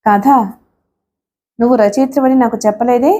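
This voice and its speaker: A woman voicing a devoted older husband in a wheelchair, speaking gently and pleadingly in an audiobook. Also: fairly high pitch, steady tone, brisk, a little hiss or hum, lightly acted. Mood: fond. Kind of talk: audiobook character reading.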